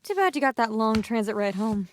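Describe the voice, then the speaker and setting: An actress playing a chatty, teasing young female coworker in an audio drama, with an expressive manner. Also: fairly high pitch, a little fast, slight background noise, close to an everyday voice. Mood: grumbling, chatty.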